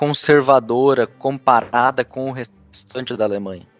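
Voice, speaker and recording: A medium-pitched man's voice with fairly even intonation, music playing in the background. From Brazil, western Paraná. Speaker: theologian and lay preacher. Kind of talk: interview.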